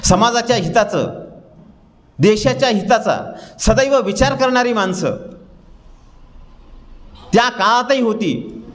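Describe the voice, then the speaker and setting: A man's voice: very high-pitched, slow pace, pauses often, a bit bright. A man giving a humorous public lecture, telling anecdotes and dropping his voice to mimic the people in them. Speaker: guest speaker. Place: library hall.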